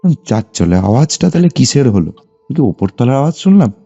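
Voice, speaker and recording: A man's voice: mid-range voice, fairly quick. A young man with a West Bengal Bengali accent tells a personal story conversationally as a caller, often checking that his listener follows. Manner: animated telling, often seeking confirmation with short tags. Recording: muffled lo-fi phone call, music behind. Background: background music.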